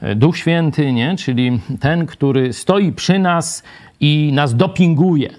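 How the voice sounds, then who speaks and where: A man leading a lively Bible study lecture, ironic and animated, asking the group questions and tagging his points with a quick "right?". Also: a little high. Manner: many fillers and "nie?" tags.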